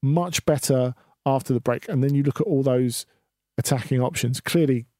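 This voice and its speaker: A man analysing football on a podcast in a measured way, with a few repeated words. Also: mid-range voice, dark tone, no echo, clean studio sound. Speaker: football pundit. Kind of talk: casual podcast discussion.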